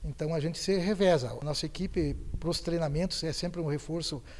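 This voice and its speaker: This man talks at a moderate pace with fairly even intonation. His pitch sits fairly high. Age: 60s. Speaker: jiu-jitsu athlete and instructor. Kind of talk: news interview; interview answer. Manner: halting. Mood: calm, proud. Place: gym. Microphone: handheld.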